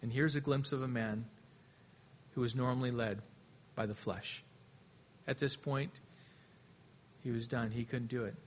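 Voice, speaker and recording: A man preaching a sermon earnestly, his voice swelling louder and then dropping soft, often repeating words as he restarts. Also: medium pitch, fairly even intonation, measured pace, long pauses, a little hiss or hum. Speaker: pastor.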